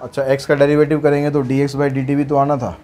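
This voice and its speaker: A man of medium pitch and a level, darkish tone explains maths problems step by step in a chatty way, answering the questions he asks himself. He reads the English problem text slowly and deliberately. A little hiss or hum can be heard.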